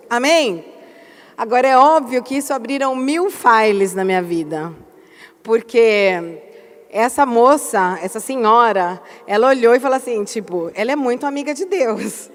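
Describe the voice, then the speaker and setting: Woman pastor, high voice, lively storyteller with sudden emphasis, reverberant hall. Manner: animated storytelling with emphatic outbursts. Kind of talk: church conference talk.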